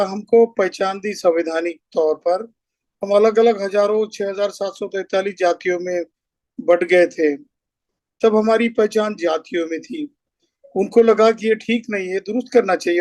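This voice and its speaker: High-pitched man, earnest lecturing speaker, dry close sound. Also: a little mellow, no room sound. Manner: earnest, lecturing, builds points through lists. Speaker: speaker at a community meeting. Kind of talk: impassioned speech.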